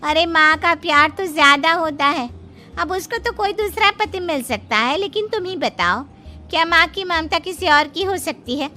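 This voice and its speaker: A woman's voice: extremely high pitch, moderate pace, bright, forceful tone. A woman voicing a cruel, gossiping middle-aged friend in a cartoon story, sly and gloating. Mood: meddling.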